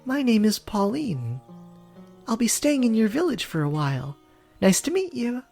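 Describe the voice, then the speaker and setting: A woman's voice: on the high side, big pitch swings, normal speed, creaky, darkish tone, soft background music. A woman voicing an earnest young foreign woman in a story game, chatty, easily flustered and prone to stammering. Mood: earnest, polite. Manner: stammering, indignant when teased. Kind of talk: dramatic character voice reading of a story game.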